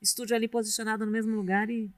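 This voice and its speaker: A middle-aged Brazilian woman, a radio announcer guesting on a podcast, talking in a relaxed, rambling, chatty way with restarts. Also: on the high side, very fast, no echo, clean studio sound. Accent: Brazilian Portuguese. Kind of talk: casual podcast interview.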